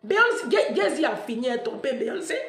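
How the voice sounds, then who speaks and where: A woman giving a blunt, mocking monologue to her viewers, animated and sarcastic and laughing often. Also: high-pitched, normal speed, a little hiss or hum. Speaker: online commentator on marriage. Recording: roomy echo.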